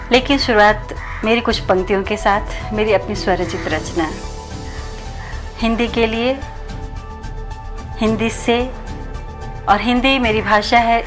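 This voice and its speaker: A woman editor welcoming viewers to a poetry event in a brisk, formal and earnest manner. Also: medium pitch, fairly even intonation, music in the background.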